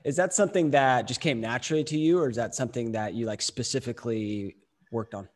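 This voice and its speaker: A man hosting a podcast, asking relaxed interview questions. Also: mid-range voice, quick pace, in a large hall. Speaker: podcast host.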